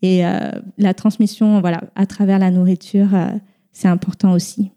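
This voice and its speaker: Brief: young woman from France, very dark mellow tone, hesitant chatty guest, lots of fillers. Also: mid-range voice, flat delivery. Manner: halting, many fillers, laughs easily. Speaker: podcast guest. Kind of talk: casual round-table chat.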